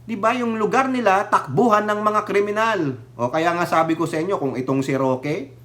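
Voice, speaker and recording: This vlogger's high-pitched, slightly bright voice moves at normal speed through casual political commentary on news stories. Addressing viewers directly, he mocks and needles with sarcasm and laughs often.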